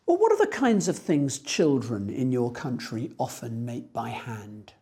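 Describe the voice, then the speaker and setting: A woman examiner putting formal interview questions in a measured, procedural way. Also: extremely low pitch, sing-song, mellow, husky. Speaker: speaking test examiner.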